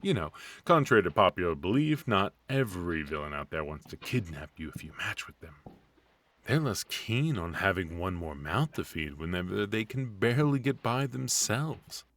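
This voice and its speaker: A man's voice: low-pitched, big pitch swings, normal speed, fairly bright tone, exaggerated voice. A man playing a retired supervillain husband in a comedic ASMR roleplay, teasing and doting with a theatrical, conversational delivery. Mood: wry, teasing.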